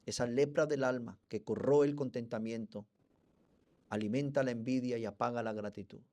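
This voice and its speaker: A man's voice: mid-range voice, steady tone, moderate pace, warm tone. A Colombian pastor with a Colombian accent preaching an expository sermon with fervor, calling out to his congregation as brothers. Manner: fervent, addresses the congregation as brothers.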